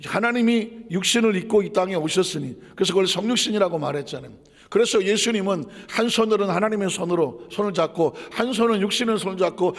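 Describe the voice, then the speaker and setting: High, gravelly-voiced man preaching a sermon. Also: big-room sound. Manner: conversational preaching with rhetorical questions and asides; shifts between formal and casual speech levels. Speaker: pastor.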